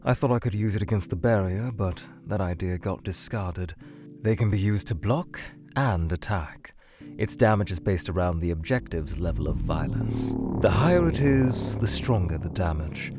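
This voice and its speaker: A man playing a weary, scholarly monster scientist trapped in a void, speaking in a measured, halting, brooding way that trails off, in a fan audio drama. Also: low voice, animated, over music. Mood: wry, explanatory. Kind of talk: fan audio drama, in-character answers to questions.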